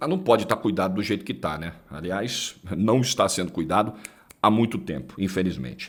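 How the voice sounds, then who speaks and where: With a Rio de Janeiro accent, a man speaks in an animated tone at a moderate pace with very wide pitch swings. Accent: carioca. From Rio de Janeiro, Brazil. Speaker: sports commentator. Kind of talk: casual Q&A monologue.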